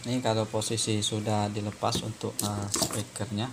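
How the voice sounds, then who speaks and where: A man's voice: on the low side, completely flat delivery, moderate pace. A man giving an informal hands-on repair tutorial, explaining step by step in a hesitant, repetitive way. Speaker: phone repair tutorial presenter. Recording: noisy home-made recording.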